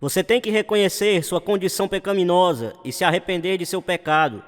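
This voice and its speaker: Actor as high-voiced evangelist in a reverberant hall. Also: male voice, fairly quick, lightly acted. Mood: earnest, exhorting. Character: earnest male evangelist preaching to a crowd through loudspeakers. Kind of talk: evangelistic sermon. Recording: long hall reverb, like loudspeakers.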